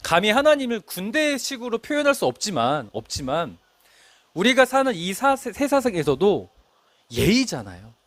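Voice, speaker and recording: A man's voice: high voice, huge pitch swings, moderate pace, a bit bright, no echo. A middle-aged male pastor preaching a sermon, telling a story and asking the congregation questions. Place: church.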